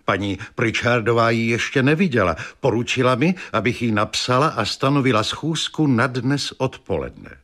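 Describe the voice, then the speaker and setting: A man's voice: mid-range voice, expressive, hardly any pauses, a bit bright. A man voicing a sensible older nurse in a read-aloud story, speaking in a level-headed, matter-of-fact way.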